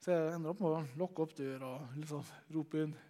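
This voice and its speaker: Storytelling man, slightly high voice. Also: fairly even intonation, dark tone. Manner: storytelling, conversational with many fillers. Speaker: Christian youth leader giving testimony. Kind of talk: testimony.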